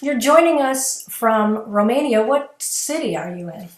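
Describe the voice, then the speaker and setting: A woman's voice: a little high, lively intonation, unhurried. A woman hosting an online interview, asking questions with admiring enthusiasm. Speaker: host. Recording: roomy video-call audio.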